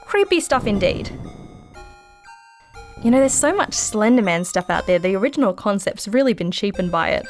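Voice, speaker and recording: A woman's voice: mid-range voice, very animated, normal speed, soft background music, natural voice. A woman playing a curious, wry podcast host in a conversational, naturalistic audio drama style. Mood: measured, wry.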